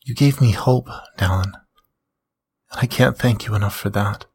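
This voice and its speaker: A man voicing a young female feline character who speaks softly and earnestly, in a raised, husky voice. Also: on the low side, normal speed. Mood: tender farewell. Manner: soft, earnest, heartfelt. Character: tender young female feline, loving and sad.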